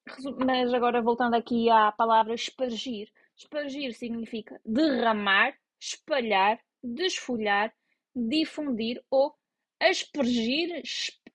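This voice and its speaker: A woman's voice: a little high, no room sound. A young woman from Portugal with a European Portuguese accent, chatting casually and self-mockingly to her viewers. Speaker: vlogger. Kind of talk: casual chat to camera.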